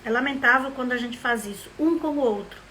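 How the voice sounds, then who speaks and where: A woman from southern Brazil talks casually on a live stream, her voice sitting high in her range. She speaks in a rambling, reflective way and greets viewers by name as their comments come in. There is a faint hum of noise behind her. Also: a little fast, pushed and bright, low-quality recording. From Rio Grande do Sul, Brazil. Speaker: live stream host, member of a literary academy.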